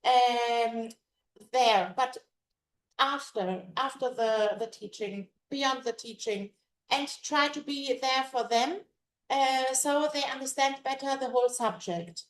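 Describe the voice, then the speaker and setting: A woman whose first languages are Greek and German gives a conference presentation in English as a language teacher. She talks haltingly, searching for words and restarting often. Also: high voice, slight background noise. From Greece. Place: conference room. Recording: echoey room.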